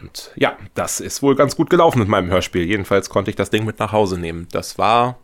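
A man from northern Germany who makes radio dramas, talking as a guest in a relaxed and thoughtful way with many fillers. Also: on the low side, a little fast. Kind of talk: casual interview talk.

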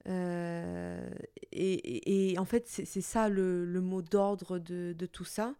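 A woman's voice: lowish voice, dark tone, smooth, no echo, clean studio sound. A young adult woman hosting a personal podcast monologue, talking in a reflective way and searching for her words. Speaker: podcast host.

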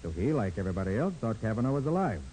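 An American actor playing a brisk, self-assured private detective in a 1940s radio crime drama. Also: male voice, on the low side, very animated, mellow, low-quality recording. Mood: explaining. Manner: brisk, explanatory. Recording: hissy 1940s radio recording.

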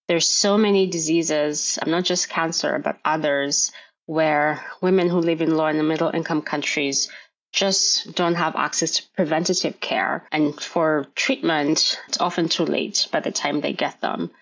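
A middle-aged woman from Kenya, a gynecologist guest explaining health issues in a measured way on a podcast. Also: sits low, fairly even intonation, gravelly, dull audio. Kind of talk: podcast interview.

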